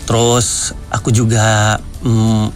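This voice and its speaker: A man's voice: on the low side, slow pace, faint music behind. A man in his thirties, a film actor guesting on a radio show, chatting casually and laughing now and then. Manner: relaxed, laughing, informal slang. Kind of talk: casual interview chat.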